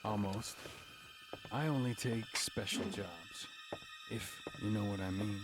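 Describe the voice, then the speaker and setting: Cocky half-demon gun for hire, flirty drawl, video game cutscene, loud music behind. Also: male voice, lowish voice, slow pace, low-quality recording. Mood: cocky, teasing.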